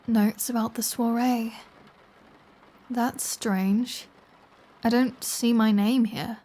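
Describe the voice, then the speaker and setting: A woman's voice: fairly high pitch, darkish tone. A woman playing a flirty, taunting, predatory vampire in an intimate audio roleplay, with a teasing, sardonic delivery. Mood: mock-hurt. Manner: slow, teasing, sardonic, casually profane.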